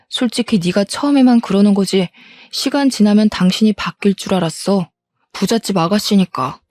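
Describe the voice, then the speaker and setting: A resentful middle-aged husband full of self-pity, as a woman voices him for an audio drama story. The voice sits mid-pitch and dark in tone, dry with no room sound. He wheedles one moment and snaps back defiantly the next. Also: dry recording, natural voice. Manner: pleading then defiant, self-pitying.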